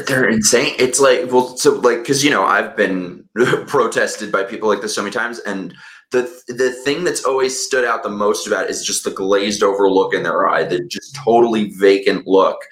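A man's voice: on the low side, fairly bright tone, rough recording. A man co-hosting a casual live chat, talking bluntly and sarcastically. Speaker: guest co-host.

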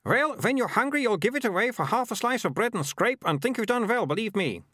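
A man's voice: high voice, animated, a little fast, bright, forceful tone, dry recording, studio quality, pitched above the performer's own voice, exaggerated voice. A man voicing a nosy, wheedling townsman in a storybook, pushy and full of bargaining questions. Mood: pushy haggling.

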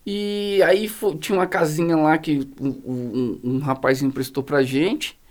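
A man with a Brazilian Portuguese accent, a pastor telling stories as a podcast guest in slangy, animated casual talk full of fillers. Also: on the high side, a little slow. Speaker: guest, pastor running a social project. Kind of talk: casual storytelling in a podcast conversation.

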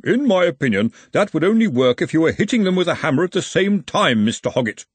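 Man acting a pompous, stern referee, animated delivery. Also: a little high, breathy edge, no room sound, pitched above the performer's own voice. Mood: imperious. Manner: formal, measured, pompous. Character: stern, exasperated, pompous male referee of authority.

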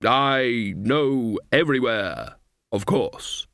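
A man voicing Death, a calm, solemn male personification of death who speaks tersely and politely. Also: medium pitch, extremely slow, creaky, no room sound, exaggerated voice.

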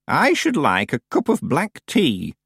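Storybook old witch played by a man: high, wildly animated pitch, proud and sly, old-fashioned genteel manner. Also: a little slow, no echo, studio quality, full character voice. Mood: kindly, thoughtful. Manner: crisp, dramatic, old-fashioned genteel phrasing. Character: old woman witch, sly, proud, theatrical, kindly stern. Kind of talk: audiobook character voice.

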